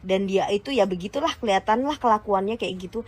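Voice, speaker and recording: A woman's voice: mid-range voice, quick pace. A woman ranting angrily to her followers, blunt and insulting in casual slang. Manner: heated, insulting and combative. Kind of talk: angry rant to followers.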